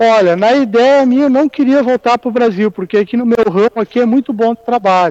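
Pitched extremely high, a man talks at a fairly quick pace with hardly any pauses, very even loudness and ordinary pitch variation, in a dry, close sound with no echo. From southern Brazil, Rio Grande do Sul (Garibaldi). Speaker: construction worker abroad. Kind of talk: video call interview. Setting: outdoors on a bridge at night, video call.

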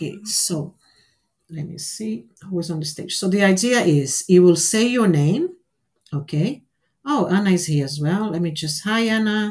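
A woman's somewhat breathy, medium-pitched voice in a Portuguese accent, lively in intonation, at a moderate pace with big swings in loudness. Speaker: public speaking coach and podcast host. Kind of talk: online group workshop. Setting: online audio room.

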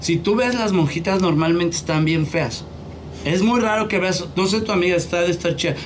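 The speech moves at a moderate pace with ordinary pitch variation and very even loudness. Noticeable background noise and audible room echo are in the recording. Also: man, high pitch for a man. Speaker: comedian. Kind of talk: casual chat.

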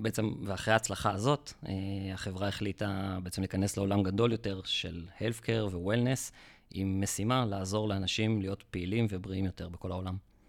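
The recording is very clean with a silent background. A man speaks at a moderate pace with a fairly low pitch and fairly even intonation. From Israel. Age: 30s. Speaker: head of engineering. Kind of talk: interview.

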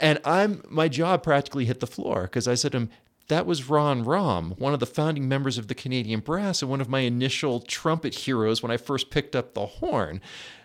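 A man with an American accent has an unremarkable speaking voice at medium pitch, with lively intonation. He speaks with hardly any pauses. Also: fairly quick pace. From US Northeast. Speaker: podcast host. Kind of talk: interview conversation.

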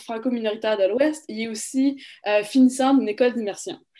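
Over a quiet background, a woman with a high pitch and a dark, mellow tone speaks with fairly even intonation. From Saskatchewan, Canada (Fransaskois, Québécois roots). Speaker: podcast co-host. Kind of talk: casual chat.

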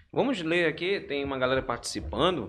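Vocal fry in a man's medium-pitched voice, moderate in pace, with very wide pitch swings. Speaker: podcast host. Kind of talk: casual chat.

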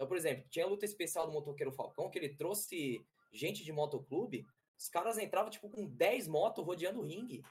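Lively intonation marks this man's high-pitched, fairly quick speech. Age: 20s. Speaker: professional wrestler. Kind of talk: casual chat. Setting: video call.

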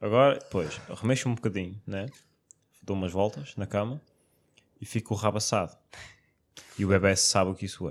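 A man with a fairly low pitch speaks at a fairly quick pace, his pitch varying in an ordinary way. He pauses long and often, in a very clean recording with a silent background. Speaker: podcast co-host. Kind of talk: casual chat.

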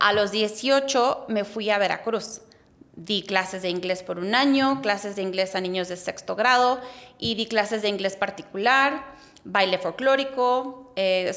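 This woman has an unremarkable speaking voice with a fairly high pitch. She moves at a moderate pace, with ordinary pitch variation. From Colorado mountains, Mexican family. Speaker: entrepreneur, cacao business founder. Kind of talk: interview.

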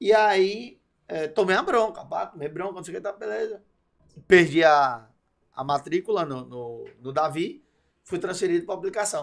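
The delivery has lively intonation along with big swings in loudness. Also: man, high pitch for a man, moderate pace. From Bahia, Brazil (Salvador and Feira de Santana). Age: 30s. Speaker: sports reporter. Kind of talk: casual chat.

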